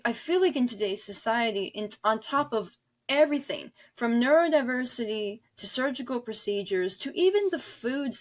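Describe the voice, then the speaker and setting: A woman guest in a conversational podcast interview, talking in an earnest, emphatic, rambling way. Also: on the high side. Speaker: interview guest, author and audio drama director.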